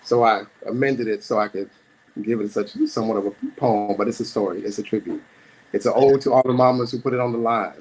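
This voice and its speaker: A man's voice: fairly low pitch, fairly even intonation, quick pace, a little mellow, rough recording. A middle-aged man performing spoken-word storytelling at an open mic, dramatic, with rhythmic repetition.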